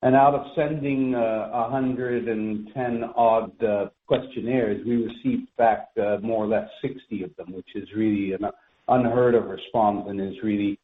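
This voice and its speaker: A male executive with a fairly low voice gives measured, formal answers on a business call. The sound is thin telephone audio with strong room echo. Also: narrow, tinny audio. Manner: measured, formal, careful word choice. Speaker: company executive answering analysts. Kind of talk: spontaneous business Q&A on a conference call. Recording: echoey, thin telephone conference line.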